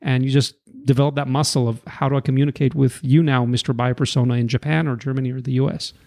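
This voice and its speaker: A man's voice: mid-range voice, little pitch movement, fast talker, darkish tone, dry recording, clean studio sound. A man in his forties from Israel, a guest on a podcast interview, explaining with examples and a wry touch. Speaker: guest, marketing executive.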